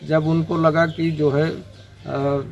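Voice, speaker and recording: A middle-aged man, a government officer explaining himself haltingly and repetitively in an interview. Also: fairly high pitch, level tone, darkish tone. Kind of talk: spontaneous interview answers. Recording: noisy location recording with birdsong.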